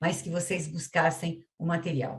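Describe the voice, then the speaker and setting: A woman with a very deep, low pitch and a somewhat breathy voice speaks at a moderate pace amid audible room echo. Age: 60s. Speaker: math teacher trainer. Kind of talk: online teacher training lecture. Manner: friendly, hesitant with fillers.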